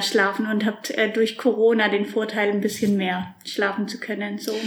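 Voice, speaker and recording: Fairly high in pitch, a woman speaks at a moderate pace. Her intonation is monotone and flat. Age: 20s. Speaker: podcast host, youth welfare worker. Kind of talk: casual chat.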